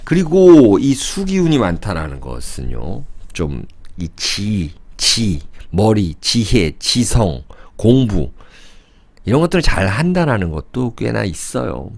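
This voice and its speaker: A man's voice: fairly low pitch, very animated, slow, gravelly, a little mellow. A man in his fifties lecturing in a casual, conversational way about fortune-telling charts, thinking aloud and asking rhetorical questions as he sketches.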